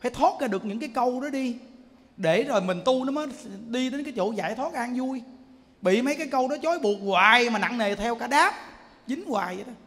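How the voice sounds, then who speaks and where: Male Buddhist preacher, high-pitched and animated, long temple-hall reverb. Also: fairly quick. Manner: animated, folksy, keeps asking the listeners if they understand. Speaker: Buddhist teacher giving a dharma talk. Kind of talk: sermon.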